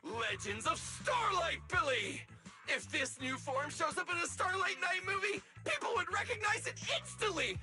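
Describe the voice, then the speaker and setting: A boastful showy robot hero-fan. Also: male voice, extremely high pitch, normal speed, soft background music, full character voice. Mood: hyped. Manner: excitable, theatrical, shouting. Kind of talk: video game voice acting.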